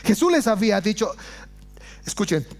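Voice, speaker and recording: A man preaching a sermon with passion, often dropping to hushed low phrases and calling his listeners brothers. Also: animated, measured pace, soft background music. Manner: addresses congregation as brothers. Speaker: pastor.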